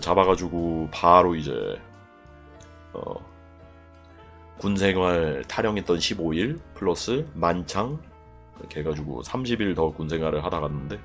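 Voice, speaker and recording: A young man casually telling a live chat a story from his army days, profane and animated, acting out voices with loud bursts. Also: low voice, normal speed, pauses often, faint music behind. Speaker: streamer telling army stories.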